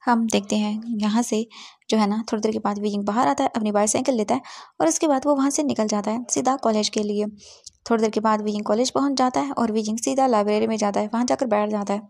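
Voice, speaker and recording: A woman's voice: a little high, fairly even intonation, quick pace, vocal fry, darkish tone, no echo. A woman narrating a fan story casually, mixing English words into her telling.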